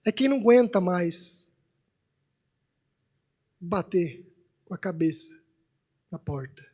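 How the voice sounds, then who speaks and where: A man at a congress stage, giving a heartfelt lecture built on a personal story, sometimes hushed and sometimes loud. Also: high-pitched, expressive, takes it slowly, husky. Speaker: speaker at a Spiritist congress. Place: conference hall stage.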